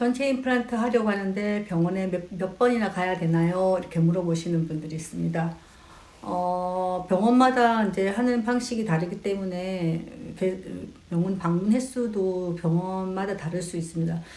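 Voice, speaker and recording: A woman's dark, mellow, medium-pitched voice in a Busan accent, at a moderate pace with ordinary pitch variation. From Busan, South Korea. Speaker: dentist. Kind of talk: unscripted explanation to camera.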